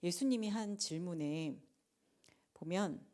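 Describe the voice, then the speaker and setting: Woman preacher, low mellow voice, animated delivery with dramatized quotes and the odd whispered aside. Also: takes it slowly. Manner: animated, acts out the disciples' and Jesus' lines in dramatized quotes; drops to a whisper for emphasis. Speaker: preacher at a late-night prayer meeting. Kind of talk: conversational sermon.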